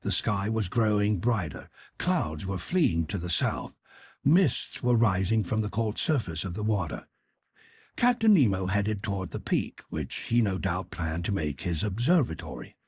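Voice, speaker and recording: Male narrator for classic adventure fiction. Very husky, closely recorded and dry, measured and articulate delivery. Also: lowish voice, big pitch swings, darkish tone, no room sound. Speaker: audiobook narrator. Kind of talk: scripted literary narration of a classic adventure novel.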